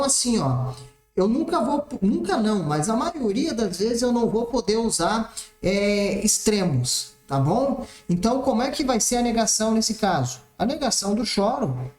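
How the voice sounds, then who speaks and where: High-voiced math teacher. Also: male voice, a little mellow. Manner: explanatory, checks in constantly with "tá?". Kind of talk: recorded exam-prep lesson. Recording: roomy echoey room.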